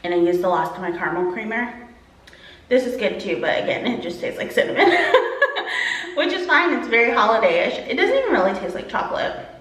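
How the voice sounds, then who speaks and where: A woman's voice: fairly high pitch, big pitch swings, a little fast, a bit bright, echoey room, low-quality recording. A woman from Texas chatting casually to her vlog camera, rambling with lots of "like" and "um". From Texas, USA. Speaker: vlogger.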